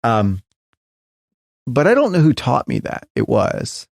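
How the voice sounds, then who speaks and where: A man's voice: medium pitch, wildly swooping pitch, takes it slowly, creaky, no room sound, clean studio sound. A middle-aged man, a tech founder guest in an interview, talking thoughtfully with many restarts and fillers. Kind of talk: reflective interview conversation.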